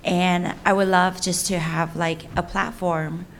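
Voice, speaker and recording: Low-voiced woman asking a question. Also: level tone, a little slow, slight background noise. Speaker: audience member asking a question. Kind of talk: informal spoken question at a forum.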